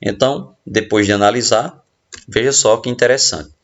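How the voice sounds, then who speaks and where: Brazilian male teacher, mid pitch, patient explainer, dull lo-fi recording. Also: normal speed. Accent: Brazilian Portuguese. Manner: patient, explanatory, frequent tag questions. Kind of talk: recorded lesson explaining riddles. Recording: dull lo-fi audio.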